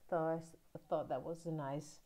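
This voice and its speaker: A woman giving a relaxed, rambling voiceover about her art journal page, pausing often and filling gaps with little hesitations. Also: sits low. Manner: relaxed, rambling, with many pauses and fillers. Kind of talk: casual voiceover narrating her crafting. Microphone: voiceover recorded at her laptop.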